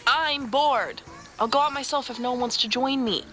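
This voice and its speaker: A woman's voice: high voice, normal speed, fairly bright tone, soft background music. An actress in her twenties playing a playful, restless, athletic young wife who talks in a casual, teasing way in an audio drama. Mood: restless, breezy. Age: 20s. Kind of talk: naturalistic comedic audio drama.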